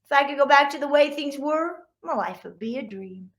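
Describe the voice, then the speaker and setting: A woman's voice: sits high, expressive, moderate pace, a bit bright. A woman voicing a jealous, grumbling male eldest dog in a children's storybook read-aloud. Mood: aggrieved, grumbling. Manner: whiny, grumbling.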